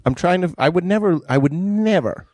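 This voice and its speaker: A male comedian guesting on a podcast, his pitch swinging up and down as he chats. He laughs often, and the sound is close and dry. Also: expressive, brisk, darkish tone, no room sound. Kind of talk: casual comedy podcast chat.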